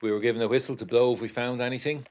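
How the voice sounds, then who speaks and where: A man acting an educated 1920s gentleman who reads out his uneasy letter in a formal, measured, literary way. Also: medium pitch, fairly even intonation, natural voice. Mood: sombre, descriptive. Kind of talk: dramatic reading of a gothic period letter.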